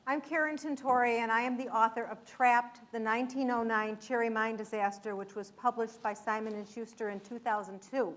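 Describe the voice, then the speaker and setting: Woman, from Michigan, author, fairly high voice, conversational storytelling, occasional restarts. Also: fairly even intonation, fairly quick, hardly any pauses, fairly bright tone. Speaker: author speaking at an event. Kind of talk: public talk.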